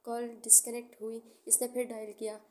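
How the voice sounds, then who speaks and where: A woman narrating an audio novel in a steady, measured storytelling manner, with occasional stumbles. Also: on the high side, a little hiss or hum.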